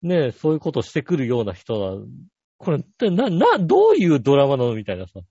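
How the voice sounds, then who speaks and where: A man's voice: medium pitch, huge pitch swings, brisk, warm tone, husky, dry recording, lo-fi sound. A man co-hosting a podcast, telling a rambling story in casual chat with many fillers. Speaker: podcast co-host.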